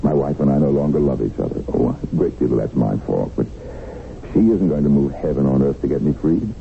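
An actor playing a middle-aged kidnapped tycoon in a radio drama, worldly and defiant, with a sardonic, reflective manner. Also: male voice, a bass voice, fairly quick, gravelly. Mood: resigned, candid. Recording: narrow-band, noisy old radio broadcast.

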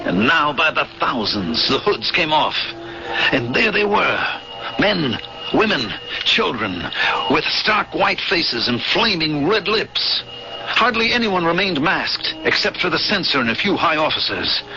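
Wry space captain, swooping pitch. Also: male voice, very animated, unhurried, music in the background. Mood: wry, dramatic. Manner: incredulous, wry, dramatic storyteller. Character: wry, bewildered male space captain and smuggler. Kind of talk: 1970s radio drama acting and first-person narration. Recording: muffled, hissy old radio broadcast.

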